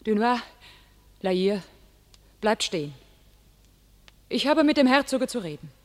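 An actress playing a young, divinely inspired warrior maiden in a classic radio drama, speaking solemn, impassioned verse in a commanding way. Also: female voice, a little high, very animated, a little slow. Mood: solemn, pleading. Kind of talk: classic German radio play, declaimed stage verse.

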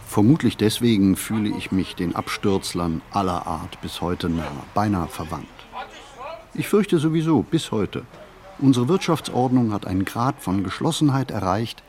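An actor playing a reflective ageing writer in a literary radio play monologue, phrasing in a measured, deliberate way. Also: male voice, fairly low pitch, lively intonation, darkish tone, slight background noise, lightly acted. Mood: sombre, observant. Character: reflective ageing male writer recalling a poor childhood.

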